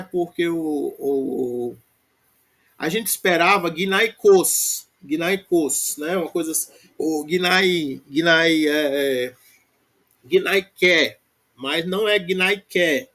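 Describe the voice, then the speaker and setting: A man with a Brazilian Portuguese accent gives a recorded grammar lesson. His voice sits a little high for a man. Overall he talks at an unhurried pace, drawing out each recited form before rattling off short explanations. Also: sharp tone. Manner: recites declension forms slowly, then explains in quick bursts with frequent "né?". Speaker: Greek language teacher.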